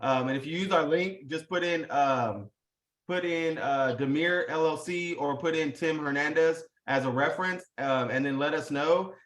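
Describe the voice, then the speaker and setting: A fired-up man talks over a video call, loose and profane, calling everyone dude and bro. His voice sits a bit high for a man. The room around him is echoey and bare. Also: moderate pace, fairly bright tone. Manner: hyped, profane, full of slang and fillers. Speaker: host. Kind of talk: casual motivational talk on a live video call.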